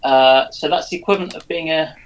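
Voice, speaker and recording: A man's voice: on the high side, fairly quick, low-quality recording. A man co-hosting a live chat, thinking aloud and joking as he talks.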